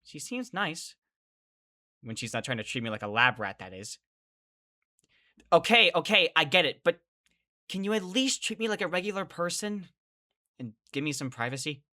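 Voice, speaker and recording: An actress playing a bewildered, exasperated kid, telling the story in dramatic first person in an audio drama. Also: female voice, deep voice, sing-song, normal speed, pauses often, sharp tone, exaggerated voice. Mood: exasperated, alarmed. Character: bewildered, exasperated young kid narrating an apocalypse ordeal.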